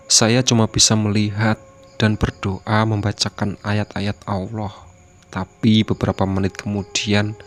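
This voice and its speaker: Low, flat-voiced man reading a story. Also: slight background noise. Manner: steady, even reading delivery. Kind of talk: scripted horror story narration.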